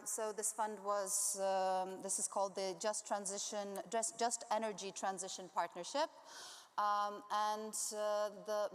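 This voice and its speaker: A woman's voice: mid-range voice, clean tone. Hesitant woman speaker in a reverberant hall. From Zambia. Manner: hesitant, many ums and uhs. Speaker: panel speaker, climate campaigner. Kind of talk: conference talk. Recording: long reverb of a large hall.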